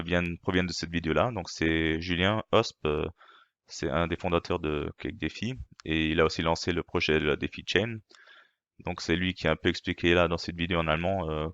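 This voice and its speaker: A man's voice: low-pitched, a bit bright, smooth, dry recording, highs cut off. A man who is not a native speaker, explaining in a casual, hesitant way with many fillers and restarts. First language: not French. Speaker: crypto channel host. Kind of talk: casual explainer translating a video.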